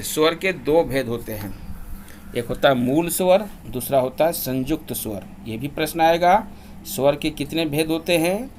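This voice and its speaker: Male grammar teacher, slightly high voice, slow drilling delivery, faint hiss behind. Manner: slow deliberate chanting of vowel lists for recitation. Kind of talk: classroom lesson.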